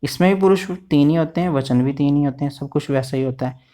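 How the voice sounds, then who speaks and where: A man teaching Sanskrit grammar in an online lesson. He reads out the forms slowly, one after another, and often checks whether the students have understood. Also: on the high side, dark tone.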